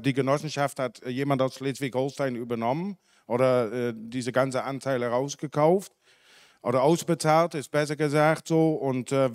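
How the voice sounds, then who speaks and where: Dutch-accented man, halting talk, clear voice. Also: medium pitch, dry recording, clean studio sound. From Netherlands. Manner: halting, many fillers and self-corrections. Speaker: dairy farmer speaker. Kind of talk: unscripted talk at a symposium. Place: large conference hall. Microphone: handheld microphone.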